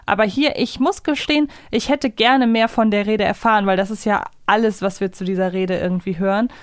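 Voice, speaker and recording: A woman's voice: medium pitch, fairly even intonation, brisk, clear, resonant tone, no room sound, studio quality. A woman co-hosting a podcast in a casual discussion style. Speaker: podcast co-host.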